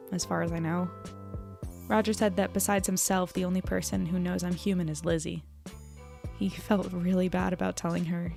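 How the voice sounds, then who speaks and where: A woman's voice: lowish voice, creaky, a little mellow. A woman playing a candid, self-deprecating young journalist, reflective and a little hesitant, in a confessional audio drama diary. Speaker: lead actor and narrator of an audio drama.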